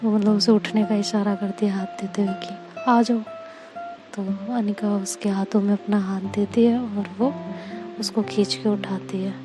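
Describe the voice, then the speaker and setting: A woman's voice: medium pitch, flat delivery, moderate pace. A woman telling a love story in a chatty, casual way, with fillers and asides. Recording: music bed. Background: guitar music.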